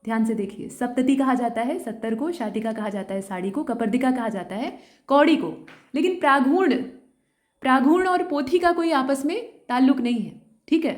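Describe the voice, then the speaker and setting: A woman teacher going through an exam answer key, explaining each question and often pausing to check that the point has landed. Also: sits high, expressive, darkish tone.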